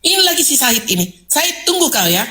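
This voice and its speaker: A woman hosting a live stream lets loose an angry, insulting rant. Her voice sits high and sounds bright and sharp. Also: very animated, fairly quick. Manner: angry, insulting, shouting abuse.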